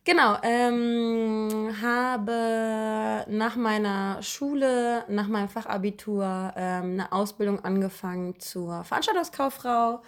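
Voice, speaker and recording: A woman's voice: on the high side, steady tone, slow pace. A woman in her twenties from Germany, co-hosting a casual podcast chat in an apartment, rambling along with many fillers and easy giggles. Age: 20s. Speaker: podcast co-host. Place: living room of an apartment.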